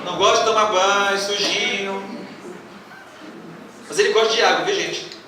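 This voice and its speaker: Playful high-voiced man lecturing in a hall. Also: steady tone, moderate pace, a loud crowd. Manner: playful, quizzing the audience. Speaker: spiritist lecturer. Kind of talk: religious lecture to a live audience. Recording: echoey hall from far off, faint noise.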